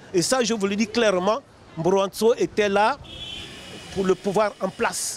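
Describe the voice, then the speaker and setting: Over noticeable background noise, a high-pitched man speaks at a fairly slow pace, the sound dry and close with no echo. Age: 60s. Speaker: street interviewee. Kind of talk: vox pop interview.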